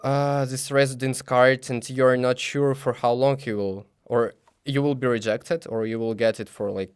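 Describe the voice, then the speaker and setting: A young man from Belarus, a student answering interview questions in halting with many fillers. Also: mid-range voice, fairly even intonation, smooth, no echo, clean studio sound. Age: young adult. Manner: halting non-native English with many fillers.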